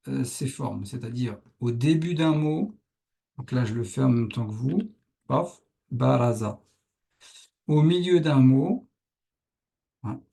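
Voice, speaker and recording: Man, teacher, gravelly, husky, patient explaining while writing. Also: mid-range voice, warm tone. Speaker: Arabic teacher.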